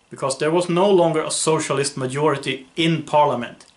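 The man's voice is somewhat breathy. His pace is moderate. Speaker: political commentator. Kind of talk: commentary monologue. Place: home room.

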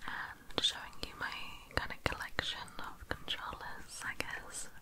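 At a fairly slow pace, a woman is whispering. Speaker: ASMR artist. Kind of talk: ASMR video. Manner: whispered. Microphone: studio mic.

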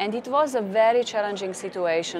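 A woman with a Slovenian accent talks at a moderate pace with ordinary pitch variation. The sound is dry with no echo, though background noise is noticeable. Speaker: politician. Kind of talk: panel discussion. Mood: serious, thoughtful. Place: hall. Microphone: lapel.

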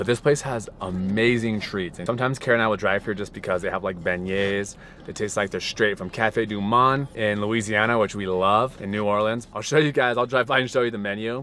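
A man talks at a fairly quick pace with hardly any pauses and fairly even intonation. The sound is dry with no echo, over light background noise. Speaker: parent vlogger. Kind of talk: casual vlog chat. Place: car. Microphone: phone near.

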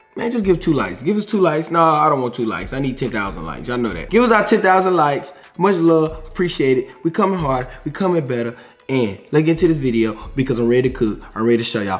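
A man talks at a very fast pace. Faint music plays behind him. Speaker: vlogger. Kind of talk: casual vlog chat. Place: kitchen. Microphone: camera far.

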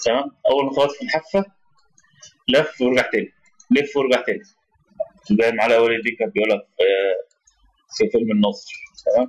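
A man with an Egyptian accent talks at a fairly quick pace, with long, frequent pauses and very even loudness. The sound is dry and close, with no echo. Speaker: programming tutor. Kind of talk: tutorial. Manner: casual.

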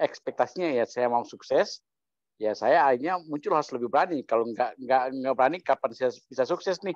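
A man talks at a fairly quick pace in an unremarkable speaking voice, pitched fairly high with ordinary variation. The sound is dry and close, with no echo. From Bandung, West Java. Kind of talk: casual chat. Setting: video call.

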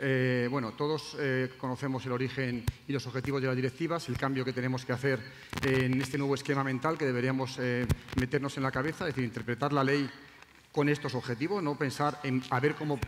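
A man talks at a fairly quick pace with fairly even intonation and very even loudness, over light background noise. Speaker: conference speaker. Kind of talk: lecture. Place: hall. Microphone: podium.

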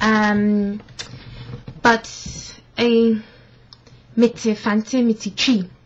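There is noticeable background noise as a woman speaks at a fairly high pitch. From London, England (childhood partly in Ghana). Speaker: YouTube vlogger. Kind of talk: casual vlog, Q&A tag video. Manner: code-switching between English and Fante. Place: home room. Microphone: webcam.

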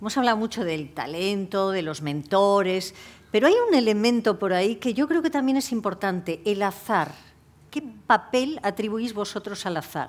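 Lively intonation at a moderate pace from a woman with a plain, everyday voice. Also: medium pitch for a woman. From Spain. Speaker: moderator. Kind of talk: panel discussion. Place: stage. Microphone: headset.

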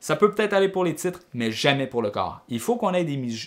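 A man with a Quebec accent speaks with very wide pitch swings. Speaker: blogging course instructor. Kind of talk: tutorial. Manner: informal, direct address. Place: home room.

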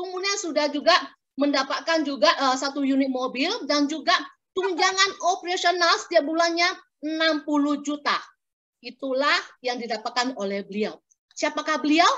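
A woman's high, raised and projected voice at a moderate pace, with ordinary pitch variation over a quiet background. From Batam, Indonesia. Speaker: moderator of the meeting. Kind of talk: emcee hosting a Zoom meeting. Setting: video call. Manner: animated. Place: home room. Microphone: video call.

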